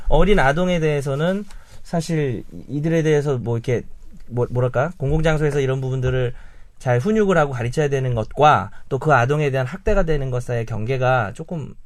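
A man in his thirties hosting a casual panel talk, animated and leading the discussion with questions. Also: mid-range voice, brisk, no echo. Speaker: podcast host.

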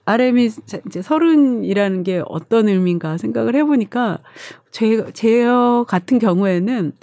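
A woman in her forties or older talks over art and music in a relaxed, reflective way, often dropping in little "ne, ne" replies. Her voice is mellow and dark. The sound is dry and close, with no room around it. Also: mid-range voice, moderate pace, no room sound. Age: 40s or older. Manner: reflective, frequent "ne, ne" backchannels. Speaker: arts commentator. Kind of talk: casual studio chat.

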